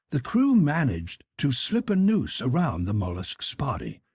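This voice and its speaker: A man reading scripted literary narration for an audiobook in a measured, expository storytelling manner. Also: medium pitch, a little mellow, husky, no room sound, studio quality.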